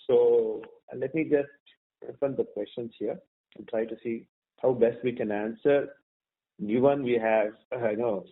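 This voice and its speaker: A man with an Indian accent speaking as a company executive, giving measured, explanatory answers with hesitant pauses on an earnings call. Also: medium pitch. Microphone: conference call line. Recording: tinny narrow-band conference phone line.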